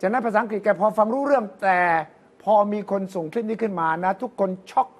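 A man co-hosting a news talk show, telling stories in an animated, chatty way. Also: sits high, fast. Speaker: co-host. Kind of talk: casual news discussion.

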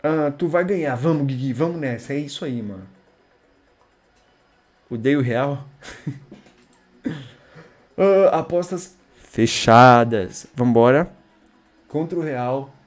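Speaking slowly with long pauses, a young Brazilian-accented gamer offers slangy live commentary and chats with his stream audience, occasionally exploding into shouts. His voice is mid-range.

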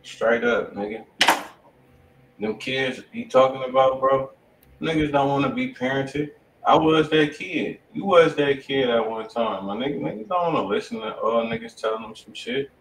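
An American man co-hosts a music review show, chatting casually in a blunt, profane, slang-heavy way with a mid-range voice at normal speed. He's in an indoor room with a desk and studio monitors, picked up by a distant mic that sounds roomy and carries background noise.

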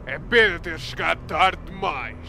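A man playing a self-important, menacing vampire priest villain in an anime parody dub, gravelly, with a European Portuguese accent. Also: fairly high pitch, a little slow, heavily acted. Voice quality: gravelly, creaky. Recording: loud music behind.

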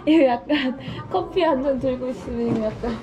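A woman's voice: high-pitched, a little slow, highs cut off. A young woman chatting playfully and teasing her bandmates in a backstage vlog, wearing a headset mic. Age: young adult. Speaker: idol group member. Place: backstage waiting room. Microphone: headset mic, handheld camera.

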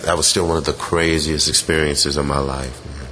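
A man's voice: flat delivery, normal speed, bright, forceful tone. A man reading a first-person ghost story in a laid-back, matter-of-fact, conversational way. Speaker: guest reader of a listener's story. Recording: clearly noisy, vehicle-like background rumble.

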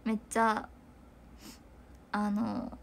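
A woman's voice: medium pitch, completely flat delivery, very slow, creaky, slight background noise. A young woman chatting casually to viewers on a livestream, giggling and rambling with lots of fillers. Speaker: idol livestreamer.

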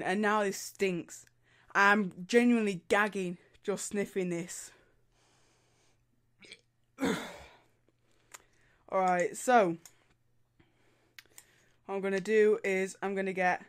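A teenage boy, a YouTuber, chats casually in his small bedroom while doing viewer dares for a vlog, laughing and groaning as he goes. His voice sits high and sounds stuffed up from a cold, and he speaks slowly with frequent pauses. A studio mic on an arm near the camera picks him up.

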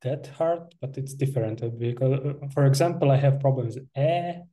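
A young man from the Komi Republic, a native Komi speaker, explains things patiently with small pauses. His voice is very dark and mellow, at a middling pitch, picked up through a headset. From Komi Republic, Russia. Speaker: guest. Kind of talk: casual video-call interview. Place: small room indoors.

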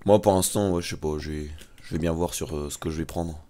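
A man's voice: a bass voice, fairly even intonation, fast talker, mellow. A man, chatting casually while playing a game, laid-back and often saying "mec". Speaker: let's play co-host. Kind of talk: casual gaming chat.

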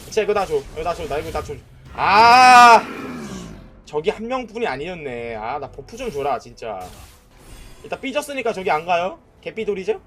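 Over soft background music, a man with a high-sitting voice speaks at normal speed while streaming a mobile game. He gets excited, cheering and yelling trash talk at enemies, often saying "nice" and "that's it."

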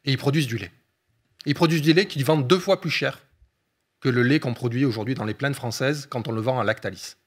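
Fast-talking man explaining in depth. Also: medium pitch. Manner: fast, fluent explaining with frequent hesitation fillers. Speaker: economist guest. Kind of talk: explanatory panel discussion.

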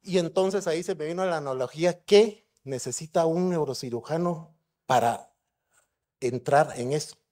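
On the high side and a little mellow, his voice keeps a moderate pace. He's a middle-aged neurosurgeon from Guatemala lecturing at a conference, chatting conversationally and posing rhetorical questions to the crowd.

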